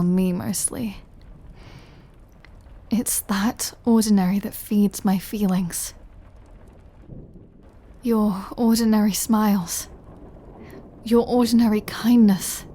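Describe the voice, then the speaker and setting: In an intimate audio roleplay, a woman portrays a centuries-old vampire lover, tender and brooding, speaking softly and confidingly and often slipping into a whisper. Her voice is medium-pitched.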